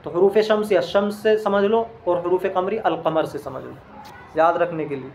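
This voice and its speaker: Male Arabic teacher with a high voice, patient drill-style delivery, faint noise behind. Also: fairly even intonation, moderate pace, creaky, a little mellow. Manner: explains step by step, quizzes the listener with questions. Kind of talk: classroom grammar lesson.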